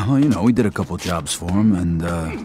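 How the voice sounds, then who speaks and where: A streetwise young hood, low-pitched, faint music behind. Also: male voice, animated, moderate pace. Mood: casual. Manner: streetwise, wisecracking. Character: young male Italian-American hood, cocky.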